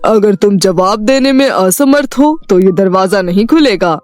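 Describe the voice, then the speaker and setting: A woman voicing a magical talking house, a formal and commanding riddle-setting gatekeeper in an animated story. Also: medium pitch, normal speed, close to an everyday voice. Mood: stern. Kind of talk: animated Hindi moral story acting. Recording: music behind the voice.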